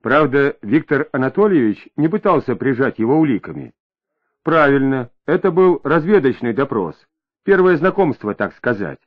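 A male audiobook narrator reading prose with expressive storytelling intonation. His pitch rises and falls in a lively way. The recording is narrow and tinny, like a phone line. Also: normal speed. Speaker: audiobook reader.

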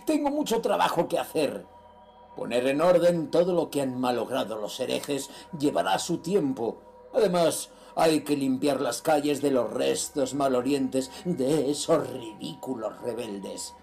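Man acting a gravelly, ruthless cult leader. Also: medium pitch, lively intonation, unhurried, a little mellow, faint music behind. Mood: vengeful, gloating. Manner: solemn, menacing, theatrical. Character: ruthless male cult leader reading his sinister diary. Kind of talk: audio horror drama diary narration.

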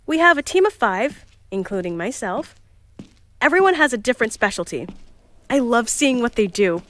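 A woman's voice: fairly high pitch, sing-song, moderate pace, a bit bright, dry recording. An actress playing Jules, a cheerful, chatty young woman who organizes a time capsule team. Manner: bubbly, chatty, flustered. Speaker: narrator of time capsule recordings.

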